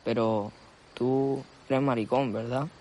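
A man's voice: medium pitch, fairly even intonation, takes it slowly, darkish tone, a little hiss or hum, natural voice. An actor playing a crude, nosy and prejudiced young man at a summer camp, talking in a blunt, needling way in film dialogue. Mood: bickering.

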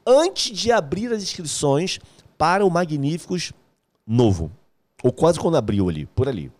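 A man hosts a live stream, his fairly high voice swinging up and down a great deal. He talks fast and loose, tossing out slang and jokes and calling viewers "brother" as he reads their comments. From Rio de Janeiro, Brazil. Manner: energetic, slangy, joking, calls viewers "meu brother". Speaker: host of a live music course stream.

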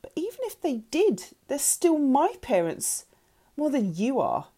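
A woman's voice: high voice, sing-song, moderate pace, a little mellow, voice pushed up, full character voice. A woman voicing a defiant, wounded teenage girl with emphatic, impassioned delivery in a dramatised audiobook. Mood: furious. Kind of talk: dramatised audiobook character dialogue.

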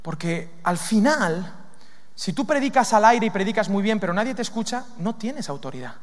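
A man from preaching a lively sermon, questioning his listeners and acting out lines from scripture. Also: high-pitched. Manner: lively, asks the audience questions, acts out demons' lines. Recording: long hall reverb.

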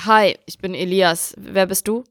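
A woman's voice: mid-range voice, fairly even intonation, measured pace, fairly bright tone, no room sound, pitched below the performer's own voice. A woman playing an arrogant male film star who brushes off a fan, dismissive and condescending.

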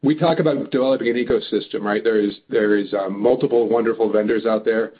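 Low-voiced male executive on a muffled phone line. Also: steady tone, quick pace. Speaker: company executive. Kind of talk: earnings call answers. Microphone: phone or conference call line.

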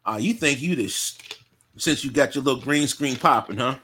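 A man's voice: mid-range voice, normal speed, slight background noise. A man in his fifties who works as a DJ, chatting casually and animatedly with plenty of profanity and repetition. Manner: animated, profane, repeats himself. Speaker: DJ and co-host. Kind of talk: casual chat.

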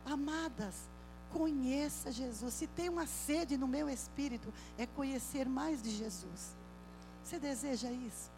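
A woman preaching a fervent sermon at a church women's service, moving from soft passages to loud exclamations. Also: high voice, measured pace, music in the background.

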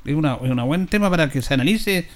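A man's voice: on the high side, lively intonation, fast. A man with a Chilean Spanish accent hosting a casual sports talk show, emphatic and repeating key phrases.

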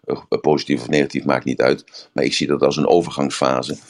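Older male group leader, voice extremely low, rambling and anecdotal delivery. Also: little pitch movement, fairly quick. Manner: rambling, searching for words, with anecdotes. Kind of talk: casual talk.

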